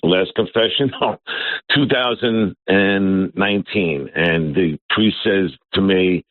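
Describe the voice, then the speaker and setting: A middle-aged man with a very low, loud voice talks earnestly and rambles, stopping and restarting with fillers. He comes through a tinny phone line, dry and narrow. He sounds like a caller talking on air. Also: slow pace, no room sound. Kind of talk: phone-in conversation. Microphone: telephone.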